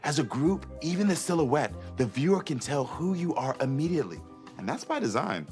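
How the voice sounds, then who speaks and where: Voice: medium pitch, big pitch swings, brisk, a little mellow, soft background music, natural voice. An actor playing a chatty, obliging cartoon costume designer.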